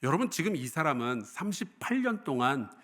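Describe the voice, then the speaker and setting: Korean pastor guy, middle-aged, preaching, voice goes up and down a lot, slightly high. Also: big pitch swings, a little fast, a bit bright. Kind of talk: sermon.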